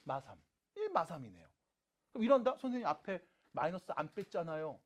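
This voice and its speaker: A middle-aged man teaching a math lesson, asking quick questions and answering them himself. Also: on the high side. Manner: lively, asks and answers own questions. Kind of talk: lecture.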